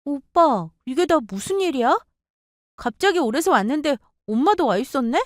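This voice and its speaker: Woman doing a young sister-in-law, all disbelief n questions, highish lively voice, dry sound. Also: normal speed, dry recording. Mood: shocked. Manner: incredulous, questioning.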